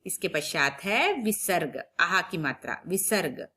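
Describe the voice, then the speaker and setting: A woman teacher giving a recorded phonics lesson to young children. She repeats every word and sound slowly and clearly, and stops to ask the children questions. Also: fairly low pitch, expressive, bright, forceful tone. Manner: patient, questions the children directly. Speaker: primary school teacher.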